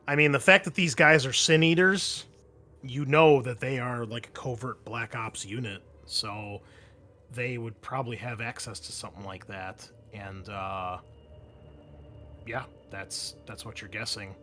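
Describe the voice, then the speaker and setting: A man working as game master, narrating a tabletop roleplaying game in a halting, conversational way. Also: mid-range voice, fairly even intonation, bright, forceful tone, a little hiss or hum.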